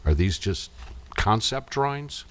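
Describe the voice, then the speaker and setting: A man chairing a public meeting, asking formal, probing questions in a deliberate way, picked up with some noise. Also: on the low side, lively intonation, a bit bright.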